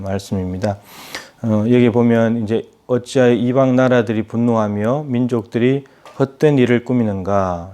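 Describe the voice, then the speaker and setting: Mellow-voiced male pastor, unhurried. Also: lowish voice. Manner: unhurried explanatory preaching with frequent "uh" fillers, conversational asides. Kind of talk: short daily Bible devotional talk.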